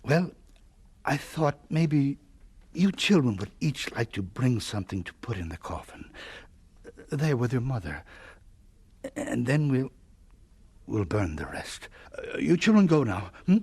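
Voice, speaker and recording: An actor playing a grieving, gentle gypsy father in a radio drama, speaking haltingly. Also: medium pitch, sing-song, breathy edge, exaggerated voice. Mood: hesitant, solemn. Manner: hesitant, halting.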